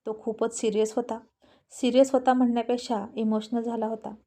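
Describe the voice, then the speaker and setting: A woman narrating a serialized family drama story at a measured, steady pace. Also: on the high side.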